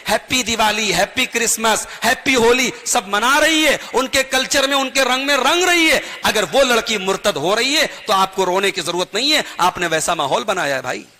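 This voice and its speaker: A man delivers a sermon in a high, piercingly bright voice. He pleads and admonishes earnestly, with rhythmic sing-song repetition. His words ring out with a long hall reverb. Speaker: preacher. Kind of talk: sermon to a gathering.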